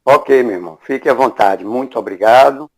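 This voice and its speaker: A man's voice: medium pitch, a little fast. A man with a Brazilian accent, formal and reverent, hosting a religious gathering with solemn prayer and courteous welcomes. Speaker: host leading the opening prayer.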